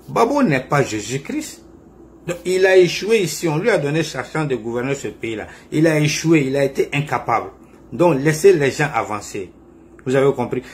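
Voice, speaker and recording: Male commentator, mid-pitched, taunting and repetitive, fires off rhetorical questions. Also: a little hiss or hum. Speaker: political commentator. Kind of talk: confrontational political monologue.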